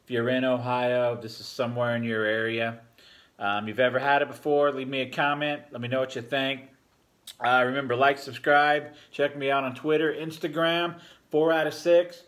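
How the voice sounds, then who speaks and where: A man in his forties gives a relaxed, rambling beer review full of fillers, talking at a table in a home bar room. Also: medium pitch, moderate pace. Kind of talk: casual beer review vlog. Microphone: fixed camera at a table.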